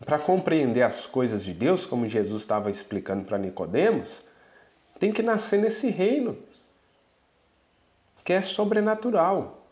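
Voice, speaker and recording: Preacher mixing readings and asides. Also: male voice, fairly high pitch, sing-song, moderate pace, long pauses, a little mellow. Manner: reads quoted passages aloud and breaks in with asides, "né?", to the brethren. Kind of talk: sermon reading and commenting on quoted teachings.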